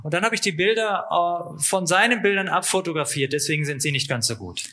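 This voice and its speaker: A man's voice: a little high, fairly quick, sharp tone. A man interpreting a talk line by line, rendering each phrase promptly in a matter-of-fact way with the odd filler sound. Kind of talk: live consecutive interpreting.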